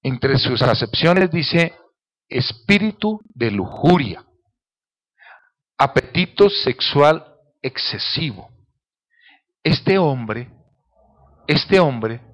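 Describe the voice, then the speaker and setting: Male pastor, sermon delivery, slightly high voice, emphatic questioning style. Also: lively intonation, drawn-out words, long pauses, a bit bright, muffled recording. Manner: emphatic, with rhetorical question tags.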